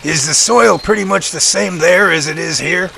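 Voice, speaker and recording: A man acting as a confident, methodical professor in an audio drama, explaining things precisely and deliberately. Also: sits high, creaky, sharp tone, a little hiss or hum, exaggerated voice. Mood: focused. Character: confident, methodical male professor tracking a sasquatch.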